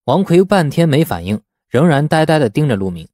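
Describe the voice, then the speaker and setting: A male audiobook narrator with a mellow, warm tone and a medium pitch. He reads fiction dramatically, with lively intonation, in a dry, close recording. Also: fairly quick, no room sound. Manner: expressive storytelling. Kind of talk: dramatic scripted narration of a novel.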